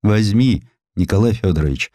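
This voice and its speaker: A man's voice: fairly low pitch, normal speed, warm tone, no echo, studio quality, natural voice. A man voicing a humble widowed mother who pleads in plaintive, folksy speech in an audiobook story. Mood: begging. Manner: plaintive, folksy dialect wording.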